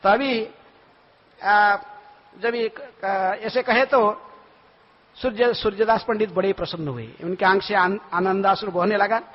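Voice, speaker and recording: A man's voice: high-pitched, fairly even intonation, unhurried, long pauses. A man giving a devotional storytelling lecture in a temple hall, often asking himself questions and answering them. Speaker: monk lecturer. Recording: lo-fi recording with long hall reverb.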